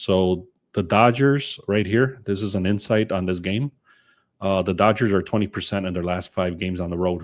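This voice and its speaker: A man talks at a moderate pace with a very deep, low pitch and fairly even intonation. The recording is very clean, with a silent background. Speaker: sports betting tipster. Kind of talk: casual betting picks video. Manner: halting, stuttering; casual, filler-heavy.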